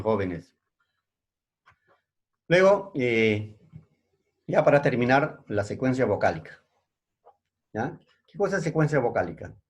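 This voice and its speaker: A man teaching a secondary school language class, who repeats each point and keeps checking in with his students. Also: medium pitch. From Peru. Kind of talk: recorded language lesson.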